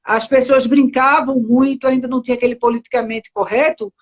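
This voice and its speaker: A woman from Recife, Brazil, with a Pernambuco accent speaks a little fast in a high voice with fairly even intonation, and the recording is muffled. She's an entrepreneur appearing as a guest in a casual live-stream interview, chatty and rambling with many fillers and self-corrections.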